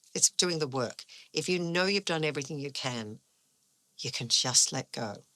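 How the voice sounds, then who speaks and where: Bright and sharp in tone, a woman with an Australian accent and a very deep, low pitch speaks at a moderate pace with lively intonation, in a very clean, dry, close recording with no echo and a silent background. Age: 60s. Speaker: actor. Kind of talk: casual chat.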